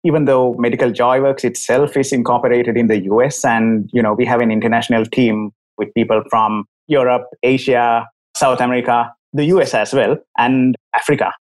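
Joining a casual interview by video call, this guest is a man in his 30s from Sri Lanka, a doctor and company CEO speaking with a Sri Lankan accent. He recounts his story candidly and articulately, his mid-range voice steady, his pace moderate, with hardly any pauses.

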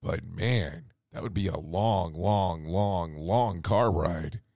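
A man hosts a radio talk show while his voice is going hoarse. His low voice sounds dry and close. He rambles through the news, corrects himself often and drops sarcastic asides. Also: slow pace, darkish tone, dry recording. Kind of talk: casual news commentary.

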